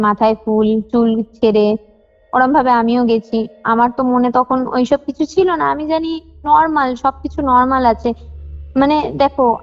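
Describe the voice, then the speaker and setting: A young woman telling a personal story in detail on a phone call, repeating phrases for emphasis. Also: high-pitched. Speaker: caller sharing a personal ghost experience. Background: faint music.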